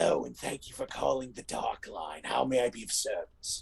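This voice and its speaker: A man's raspy, put-on character voice, moderately paced. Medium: actual play. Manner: courteous, formal phone manner.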